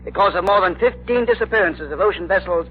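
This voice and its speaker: An actor playing a formal, authoritative Navy admiral in a 1930s radio drama. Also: male voice, sits high, fast talker, slight background noise, lightly acted. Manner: formal, official. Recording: dull old radio broadcast.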